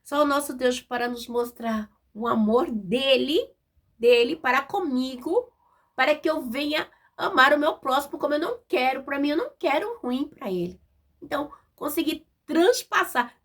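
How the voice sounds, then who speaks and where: A Brazilian-accented woman delivers a sermon in a plain, direct, conversational way, often checking in with her listeners. Her voice sits a little high, with a gravelly edge and a husky, rough texture. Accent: Brazilian Portuguese. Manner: direct, informal, frequent tag questions. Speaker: preacher.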